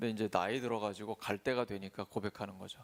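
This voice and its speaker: Recorded with a dry, close sound and no echo, a man talks fairly quickly. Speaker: pastor. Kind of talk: sermon. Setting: church.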